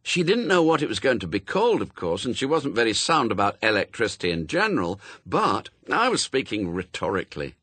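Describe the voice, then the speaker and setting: A man's voice: lowish voice, very animated, a little fast, hardly any pauses, fairly bright tone, slightly rough, no echo, full character voice. A man voicing a clever, sweetly teasing woman in a storybook, with a precise, breezy, matter-of-fact manner. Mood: brisk, confident.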